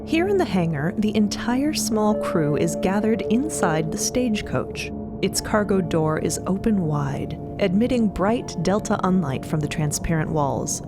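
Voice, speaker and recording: A woman's voice: medium pitch, very animated, a little slow, loud music behind the voice. A woman narrating an audio drama in a scripted storytelling style.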